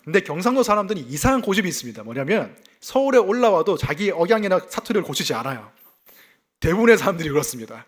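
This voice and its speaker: Animated male pastor preaching. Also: high-pitched, fast. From South Gyeongsang, South Korea. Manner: lively expository preaching with personal anecdotes; asks the congregation rhetorical questions. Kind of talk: sermon.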